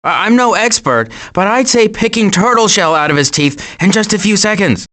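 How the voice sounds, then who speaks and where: Fretful, swooping cartoon turtle. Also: male voice, sits high, lively intonation, moderate pace, bright, forceful tone. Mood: fretful, exasperated. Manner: fretful, exasperated, hesitant. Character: fretful, long-suffering male cartoon turtle. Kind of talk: animated video game character lines.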